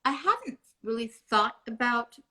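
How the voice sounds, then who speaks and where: Chatty American woman, bright voice. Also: fairly high pitch, big pitch swings, a little slow. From United States. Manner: chatty, rambling, many restarts. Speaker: actress and interview guest. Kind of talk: casual interview chat.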